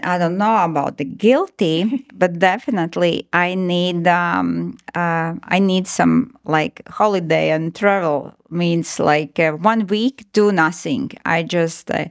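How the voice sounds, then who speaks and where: A woman's voice: on the low side, no room sound, studio quality. Laughing, chatty woman. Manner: laughing, chatty, loose halting phrasing. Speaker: guest. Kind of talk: casual podcast chat.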